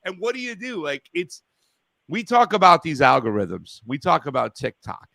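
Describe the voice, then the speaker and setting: A man hosting a call-in talk show, chatting casually, rambling and profane, getting loud and animated when he rants. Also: on the high side, moderate pace, vocal fry, no echo. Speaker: radio show host.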